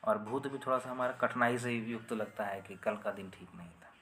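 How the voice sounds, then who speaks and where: A man's voice: lowish voice, brisk, pushed and bright, slight background noise. A man teaching a Sanskrit grammar lesson online, explaining with repetition and often asking "है ना?" to check understanding.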